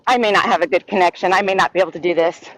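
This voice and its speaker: A woman calling in from her phone while walking her dog outdoors, her voice cutting in and out over a laggy internet connection, halting with fillers and restarts. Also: lowish voice, poor audio. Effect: choppy, lagging internet connection. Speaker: caller. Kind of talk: call-in chat on a live stream.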